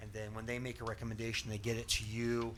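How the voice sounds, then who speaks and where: With audible room echo, a man of medium pitch speaks very fast in a monotone, flat intonation. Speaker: county association presenter. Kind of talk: meeting presentation. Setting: county board meeting.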